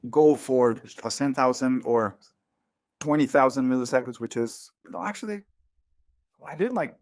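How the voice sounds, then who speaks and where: A man's voice: medium pitch, normal speed, darkish tone. A man teaching a hands-on workshop to a live audience. He talks emphatically, repeats key points and keeps checking that people follow. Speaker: workshop instructor.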